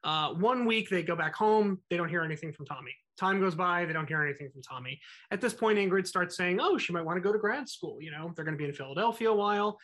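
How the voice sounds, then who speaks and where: A podcast co-host recounts a music history story in an easy, talky style. The voice sits at a middle pitch and slips into short acted-out quotes with many "uh"s and "you know"s. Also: animated, fast talker, a bit bright. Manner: conversational, acts out quotes, filler-heavy. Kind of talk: casual storytelling chat.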